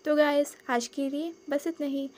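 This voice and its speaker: A woman's voice: high-pitched, little pitch movement, unhurried, darkish tone. A woman hosting her channel, reading her own fan story aloud in a conversational storytelling way. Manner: conversational storytelling with speech tags.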